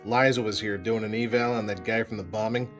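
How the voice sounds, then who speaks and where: An actor playing a brusque police boss who hands out orders curtly. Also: male voice, lowish voice, fairly even intonation, fairly quick, a bit bright, soft background music, natural voice. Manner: gruff, dismissive, curt. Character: brusque middle-aged male police boss.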